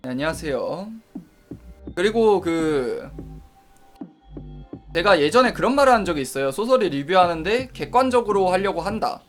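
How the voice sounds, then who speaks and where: A man's voice: high voice, sing-song, moderate pace, long pauses, soft background music. A man streaming live, reasoning aloud about reviewing novels, often stopping to correct himself and answer chat. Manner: reads and answers viewer chat; says he doesn't use a dialect.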